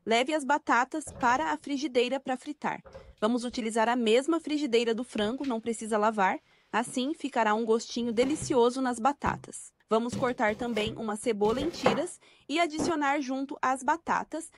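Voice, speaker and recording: A woman's voice: fairly high pitch, moderate pace. A Brazilian woman reading a scripted cooking tutorial as a voice-over. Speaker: recipe video narrator.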